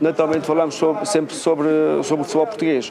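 A man with a fairly high voice, over noticeable background noise. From South Africa (Portuguese-born, from Mozambique). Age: 50s. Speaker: football coach. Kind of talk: interview.

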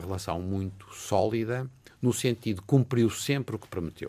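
A man's fairly low voice, dark and mellow in tone, with ordinary pitch variation on a very clean recording with a silent background. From Portugal, Porto. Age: 70s. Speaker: pathologist and professor. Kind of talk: radio interview. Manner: halting.

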